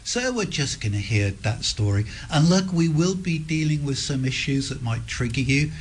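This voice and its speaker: A man hosting a radio interview in a studio, speaking gently and summing up his guest's answers. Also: on the high side, big pitch swings, moderate pace. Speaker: radio host. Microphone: studio microphone.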